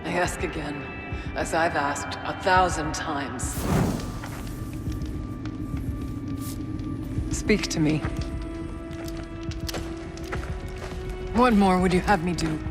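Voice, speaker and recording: An actress playing a devoted tribal priestess in a video game, speaking in a solemn, prayerful way, with game music behind. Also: female voice, deep voice, a little slow. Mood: anguished prayer.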